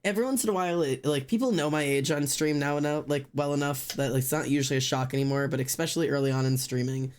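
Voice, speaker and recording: A man's voice: a little high, fast talker, hardly any pauses, smooth. A man in his late twenties chatting casually and rambling as a streamer while drawing. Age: late 20s. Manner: chatty, rambling, many fillers.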